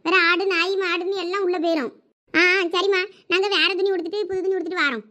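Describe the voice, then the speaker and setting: High, bright Thoothukudi village woman. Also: fast. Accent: Thoothukudi Tamil. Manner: scolding, lively village banter. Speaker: cartoon narrator voicing village women. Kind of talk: cartoon voice acting.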